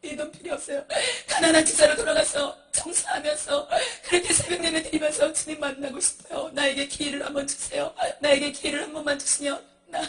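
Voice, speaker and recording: A woman's voice: sits high, far from the mic, voice pushed up. A woman voicing a damned soul who tearfully pleads with God for one more chance, in a raised, crying voice.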